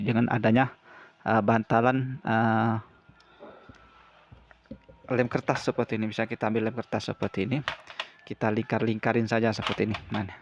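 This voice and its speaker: A man explaining a hands-on repair step by step in an informal, halting, repetitive way. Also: fairly low pitch, vocal fry, muffled recording, noisy background. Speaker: repair tutorial presenter.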